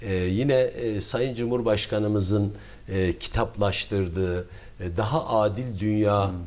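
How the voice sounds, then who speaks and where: A man's fairly low voice at a fairly slow pace. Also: fairly even intonation. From Turkey, Ankara. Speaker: politician. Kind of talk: political TV interview. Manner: hesitant, frequent fillers. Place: studio. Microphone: lapel.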